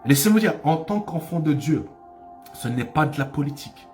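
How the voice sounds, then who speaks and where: A man's voice: on the high side, expressive, moderate pace, darkish tone, faint music behind. A man preaching a sermon as pastor, with impassioned delivery that rises to cries and repeats phrases for emphasis.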